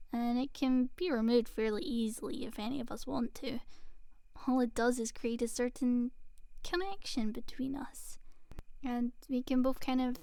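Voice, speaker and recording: In an ASMR roleplay, a woman plays a sleep paralysis demon who is gentle and teasing. She speaks softly, slowly and intimately in a soothing, slightly high voice, sometimes dropping into a whisper. The close microphone picks her up with no echo.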